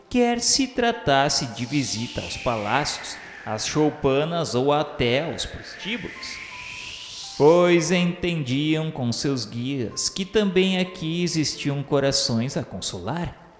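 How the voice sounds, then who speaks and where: A slow, solemn male spirit played by a man narrates his memoirs in a Brazilian accent for a radio novel. The delivery is formal and measured, at a middling pitch. It rings with long hall reverb over music.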